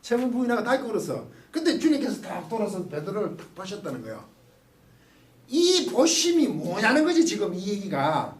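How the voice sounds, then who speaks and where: A man giving a lively Bible study lecture, asking the class questions and acting out quotes. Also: sits high, brisk. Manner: animated, asks the class questions, acts out quotes. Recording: roomy, mic at a distance.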